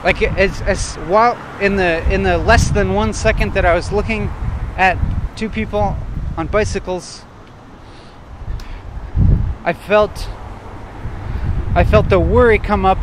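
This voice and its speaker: A man walking outdoors and thinking aloud in short, broken phrases, at times loud and assertive, almost shouting. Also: high voice, fairly even intonation, unhurried, pauses often, noisy background. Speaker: vlogger. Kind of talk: reflective walking monologue. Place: outdoors on a street while walking.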